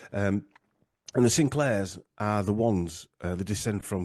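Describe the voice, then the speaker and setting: With a Yorkshire accent, a man speaks at a very deep, low pitch in a dark, mellow tone with ordinary pitch variation, the sound dry and close with no echo against a quiet background. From Yorkshire, northern England. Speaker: podcaster and genealogy researcher. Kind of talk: casual chat. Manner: halting.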